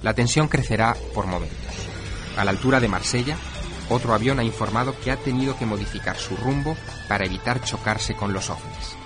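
A man reading scripted documentary narration with measured, dramatic emphasis. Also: mid-range voice. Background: music.

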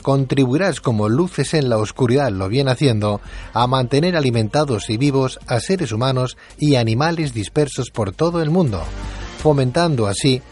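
A man with a Castilian Spanish accent narrates a scripted promo in the role of radio presenter. His pitch is average, and soft music runs faintly behind him. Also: expressive, moderate pace. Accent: Castilian Spanish from Spain.

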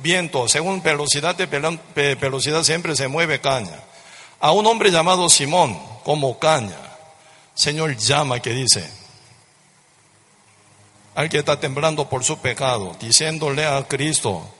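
A man's voice: fairly high pitch, lively intonation, a little slow, bright, forceful tone, slightly rough. A man preaching a sermon with fervent repetition, often tossing rhetorical questions at his listeners. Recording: reverberant hall.

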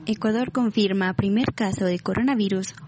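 A woman's voice: mid-range voice, moderate pace, background noise. A woman voice actor acting out a demo reel, shifting from chatty sketch lines to formal news and radio reads. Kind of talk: voice demo with skits, newsreading, ad and radio host.

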